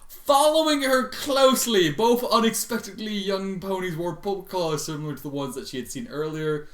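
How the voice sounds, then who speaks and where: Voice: medium pitch, normal speed, a bit bright. A reader giving a theatrical, foul-mouthed comedic reading of fan fiction, breaking into exasperated commentary. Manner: foul-mouthed, exasperated outbursts between read passages. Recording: echoey untreated room.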